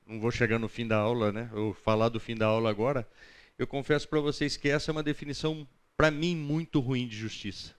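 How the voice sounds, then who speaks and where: In a mid-range voice, a Brazilian man leads a Bible lesson, lecturing in a chatty, instructive way and often turning questions to his audience.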